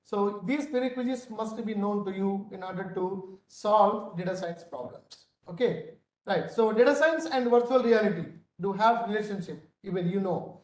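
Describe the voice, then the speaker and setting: A man's voice: high-pitched, moderate pace. A South Indian man gives an online lecture. He explains things step by step in a didactic manner and checks in often. The sound is roomy and echoing, as on a video call. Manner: didactic, repeatedly checking with "right?". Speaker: instructor. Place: indoor room, video call.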